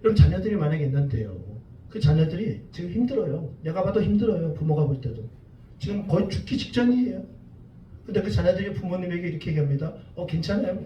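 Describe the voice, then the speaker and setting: A man's voice: high-pitched, animated, fast, dark tone, lo-fi sound. A male associate pastor preaching a sermon, firing rhetorical questions and acting out prayers with passion. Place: church sanctuary in Toronto. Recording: echoey church room, far from the mic, faint hiss.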